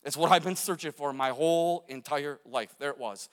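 Male testimony speaker, high pitch, repeats phrases for emphasis, long hall reverb. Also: moderate pace, clear, resonant tone. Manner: vivid storytelling with gestures, repeats phrases for emphasis. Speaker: speaker telling his near-death story. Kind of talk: testimony talk to an audience.

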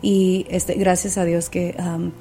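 A woman with a warm, gravelly voice speaks as a podcast guest. She tells her faith testimony with the fervor of a preacher, pausing often on fillers. A faint hiss sits under the audio. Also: fairly low pitch, flat delivery. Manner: fervent, preacher-like, with many fillers.

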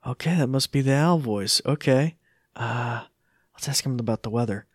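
A man's voice: medium pitch, moderate pace, breathy edge, dry recording. A man giving a casual live tech demo, informal and hesitant, easily amused. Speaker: tech demonstrator.

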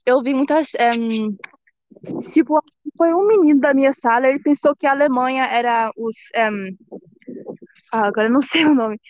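High-voiced teenage girl with Bahian accent. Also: normal speed, dry recording, dull audio. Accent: Bahian Brazilian Portuguese. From Brazil and Germany. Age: young teenager, fourteen. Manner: hesitant, searching for words. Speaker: interview guest. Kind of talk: casual interview chat.

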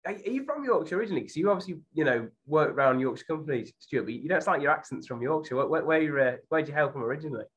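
A man's voice: fairly high pitch, animated, rapid-fire, few pauses, a bit bright, slightly rough, dull audio. A man hosting a podcast interview in a chatty, upbeat way. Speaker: podcast host.

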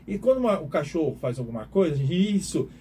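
A man lectures on communication in an emphatic, questioning way, circling back over his points. His voice sits fairly high yet sounds mellow and warm. A faint hiss stays under him throughout. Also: sing-song, fast talker. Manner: emphatic, questioning, repeats himself. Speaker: communication teacher. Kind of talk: lecture to an online audience.

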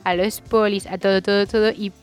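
A woman co-hosting a podcast in casual chat, a rambling storyteller who speeds up in quick bursts. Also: medium pitch, little pitch movement, clean tone, faint music behind. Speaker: podcast co-host.

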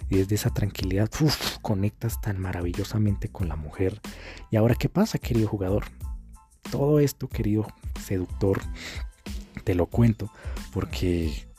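Low-voiced male dating coach. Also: moderate pace, warm tone, soft background music. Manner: casual, crude, acts out quoted voices. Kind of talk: motivational online masterclass.

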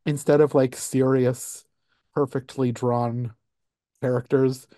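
A man talks through a film in a relaxed podcast chat, breaking into laughter as he recaps. His voice is warm and low in brightness. It is recorded dry and close, with no room sound. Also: slow pace, dry recording. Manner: laughs often while recapping. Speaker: podcast host. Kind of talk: casual film review chat.

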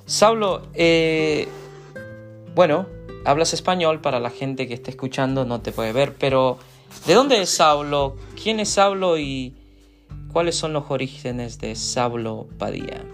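A man's voice: a little high, lively intonation, a little slow, soft background music. A man hosting an interview, asking his guest questions with curious interest. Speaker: interview host. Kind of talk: casual interview talk.

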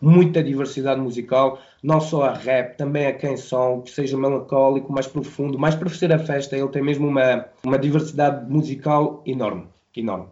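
A man from Belgium, a native French speaker, talking in Portuguese with a French accent as a music producer on a radio interview, with halting starts and acted-out quotes. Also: mid-range voice, a little mellow, dull audio. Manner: halting, restarts words, acts out quoted dialogue.

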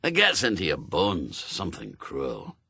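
A man voicing an old, zealous male witchfinder sergeant who barks orders in a gruff, pompous way. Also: very deep voice, wildly swooping pitch, a little slow, bright, forceful tone, voice pushed down, exaggerated voice. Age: older.

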